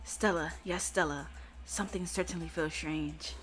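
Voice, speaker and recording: A woman hosting a let's play, giving excitable game commentary that often stammers and reacts out loud. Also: fairly low pitch, moderate pace, faint music behind.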